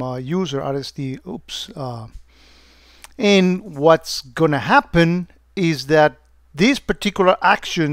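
Man narrating a screen demo, halting. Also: a little high, no room sound, studio quality. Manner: hesitant, many fillers and restarts. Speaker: security software presenter. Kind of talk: screen-recorded software demo.

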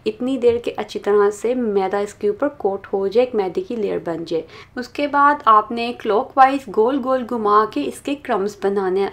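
Gravelly-voiced woman teaching a recipe. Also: mid-range voice. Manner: instructive, repeats steps patiently. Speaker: cooking channel host. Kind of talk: step-by-step recipe voice-over.

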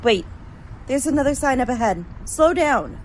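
A woman's voice: high voice, lively intonation, moderate pace, slight background noise, low-quality recording. A woman playing a sarcastic, complaining young college student in a radio play. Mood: insistent, skeptical. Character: grumbling, wisecracking young female college student.

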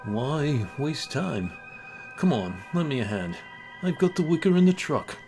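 A man's voice: on the high side, big pitch swings, unhurried, a little mellow, faint music behind. A man voicing a plain-spoken, sympathetic small-town undertaker in a horror comic reading, with a folksy drawl. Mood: glum, matter-of-fact.

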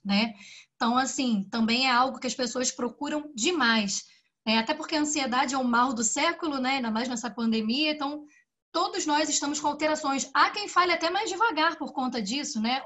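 A woman speech therapist with a Brazilian Portuguese accent gives a lively, chatty lecture and often asks rhetorical questions. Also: high-pitched, moderate pace. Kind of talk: symposium lecture.

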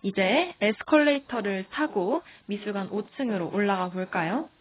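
A woman's voice: medium pitch, animated, normal speed, husky, lo-fi sound. A young woman narrating a walking tour, speaking cheerfully and directly to her viewers. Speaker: tour guide. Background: music.

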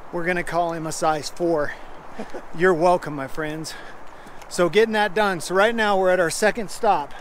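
A man in his thirties hosts an outdoor fishing vlog, excited and casual. His voice sits high and his talk is unhurried. He is recorded on a body-worn camera beside a river, with faint wind and water noise. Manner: excited, says "dude" a lot. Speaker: fly fishing show host. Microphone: body-worn action camera.

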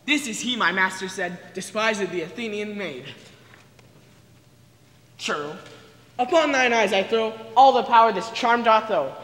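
A man's voice: high-pitched, unhurried, long pauses, a bit bright. A male actor playing a mischievous fairy servant, chanting a spell in a Shakespeare stage reading. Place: stage in large auditorium. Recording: echoey hall, faint noise.

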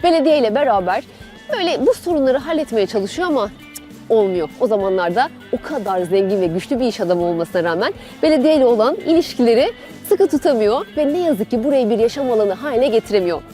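A woman's voice: on the high side, expressive, quick pace, warm tone, faint music behind. A woman hosting a travel show, guiding viewers through an outdoor park in an enthusiastic, chatty way. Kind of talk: travel show presenting, part narration.

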